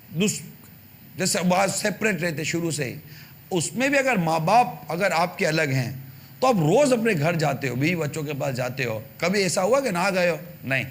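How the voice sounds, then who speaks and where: A man's voice: high voice, a bit bright, a little hiss or hum. A man preaching on a religious TV channel, speaking to parents with emphatic rhetorical questions and repeated phrases. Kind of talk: television sermon addressing parents.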